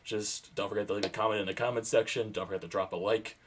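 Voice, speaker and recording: Young guy fan-vlogging a game from his room on a webcam, lowish voice, gets loud on big plays, throat going. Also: fast talker. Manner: animated, rising to loud bursts on big plays. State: losing his voice, sore throat. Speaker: sports vlogger. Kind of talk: excited fan game recap. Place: small room at home.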